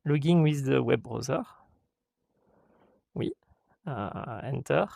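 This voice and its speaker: Man, tech tutorial host, slow and halting, gravelly voice, dry close sound. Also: mid-range voice, no echo. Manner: hesitant, many "euh" fillers, reads out codes step by step; voices the software in playful mock dialogue. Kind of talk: screen-recorded tech tutorial.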